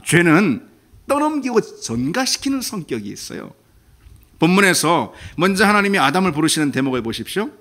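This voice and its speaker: A man preaching a sermon as pastor, conversational and questioning, acting out anguished questions in a raised voice. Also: fairly high pitch. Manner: animated, acts out God's anguished questions in a raised voice; conversational, asks the congregation questions.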